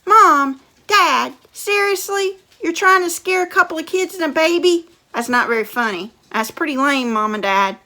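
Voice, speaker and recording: A woman playing an older brother who mocks his parents loudly. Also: high voice, lively intonation, normal speed, hardly any pauses, pitched above the performer's own voice, exaggerated voice. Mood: scornful. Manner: loud, mocking. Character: scornful boy, older brother.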